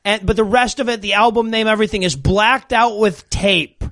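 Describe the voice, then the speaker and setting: A man's voice: high-pitched, steady tone, moderate pace, a bit bright, no echo, studio quality. A man co-hosting a comedy podcast, riffing on a movie with profane, laughing asides. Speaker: podcast co-host.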